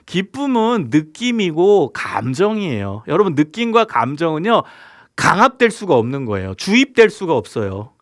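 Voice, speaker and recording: A man preaching as a pastor to young people, animated and asking the audience many questions. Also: high voice, no echo, clean studio sound. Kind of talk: youth sermon.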